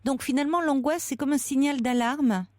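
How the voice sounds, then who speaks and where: A woman's voice: sits high, brisk, no echo. Reassuring woman radio host, dry studio. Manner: calm, reassuring, explains gently. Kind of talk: late-night call-in advice. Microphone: studio mic.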